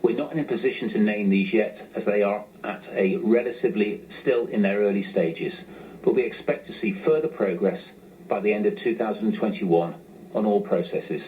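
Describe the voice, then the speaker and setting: A man giving a scripted corporate financial presentation in a formal, measured way, as a company finance executive. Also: on the low side. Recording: tinny phone-line sound with clear noise.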